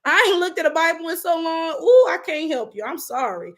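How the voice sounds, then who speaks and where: Woman with a Detroit accent, high voice, casual livestream chat, blunt and slangy, laughs a lot. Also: fairly quick. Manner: loose and animated, laughs often, slangy and blunt. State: voice cracking. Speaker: YouTuber reading live chat comments.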